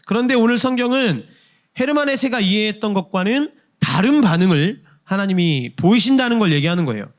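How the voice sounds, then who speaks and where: Young guy preaching to a youth service, pretty high voice, chatty, keeps asking the crowd stuff. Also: a little fast. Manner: lively, conversational preaching with questions to the congregation; acts out quoted inner voices. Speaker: youth pastor. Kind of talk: sermon. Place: church service.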